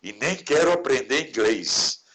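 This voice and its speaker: A man's voice: medium pitch, animated, unhurried, poor audio. A man who is a Catholic priest, chatting reflectively and often turning to caring for one another. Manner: warm, reflective, preachy asides about caring for others. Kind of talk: casual conversation in a live stream.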